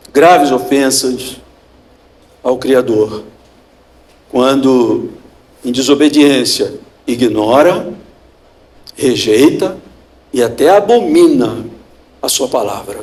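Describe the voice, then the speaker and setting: A man from Brazil, a pastor, preaching a sermon slowly and deliberately, repeating phrases and asking rhetorical questions. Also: medium pitch, darkish tone. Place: church hall. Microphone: handheld or stand mic with feedback.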